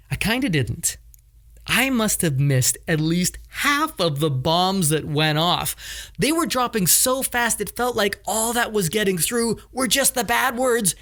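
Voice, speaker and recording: A man's voice: fairly high pitch, a bit bright. A man hosting a podcast, narrating a scripted story in a dramatic, emphatic way. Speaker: podcast host and coach.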